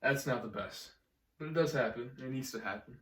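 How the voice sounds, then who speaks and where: A young man co-hosting a casual podcast, cracking jokes and laughing easily. His voice sits at an average pitch. The sound is roomy and echoey, picked up from some distance away. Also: brisk, fairly bright tone. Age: young adult. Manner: joking, laughs often. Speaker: podcast co-host. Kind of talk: casual chat. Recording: echoey room, mic at a distance.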